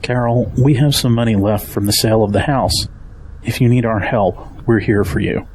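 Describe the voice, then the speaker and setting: A man acting a kindly, steadfast family man with a husky voice in a Christian audio drama. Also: fairly low pitch, normal speed, darkish tone, slight background noise, close to an everyday voice, poor audio. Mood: reassuring, practical.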